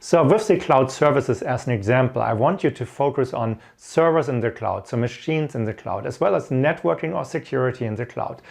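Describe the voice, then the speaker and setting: German-accented man with a creaky voice. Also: mid-range voice, fairly quick, few pauses, darkish tone. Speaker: host of an IT career advice channel. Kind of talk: instructional talk with personal stories.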